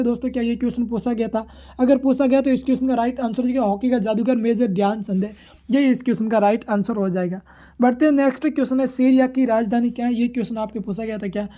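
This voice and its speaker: Guy doing exam prep q and a, really quick talker, soft mellow tone, kinda repetitive. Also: very high voice. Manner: repetitive, formulaic question-and-answer delivery. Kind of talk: informal exam question walkthrough.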